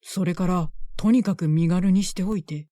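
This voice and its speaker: A woman voicing a calm, terse young man who sleeps for years and talks flatly. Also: fairly low pitch, normal speed, dry recording, studio quality, natural voice. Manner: flat, terse, matter-of-fact.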